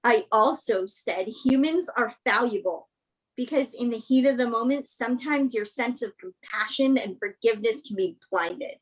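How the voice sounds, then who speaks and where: A woman's voice: a little high, normal speed, natural voice, low-quality recording. A woman acting a bitter, guarded young woman, confrontational and sarcastic, in a staged play reading. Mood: angry, defensive.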